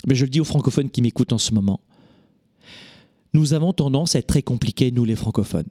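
A man with a French accent delivers a motivational talk, pressing his points and checking in with the audience. He speaks at a middling pitch, with energetic emphasis and frequent rhetorical questions. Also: fast, breathy edge. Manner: emphatic, animated, direct address to the audience. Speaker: motivational speaker and show host.

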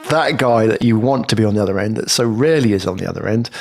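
A man's voice: lowish voice, fast, gravelly. Chatty male podcast host. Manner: engaged, chatty, tag questions. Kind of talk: conversational interview questions.

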